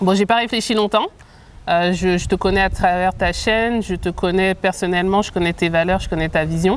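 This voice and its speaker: A woman with an unremarkable speaking voice talks at a moderate pace, medium in pitch, with fairly even intonation. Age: 30s. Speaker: entrepreneur and election candidate. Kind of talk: casual chat.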